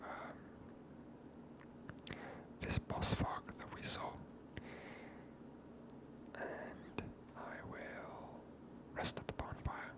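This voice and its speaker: A person whispering ASMR commentary while playing through a video game in a hushed manner. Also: drawn-out words, pauses often, rough recording. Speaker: game streamer.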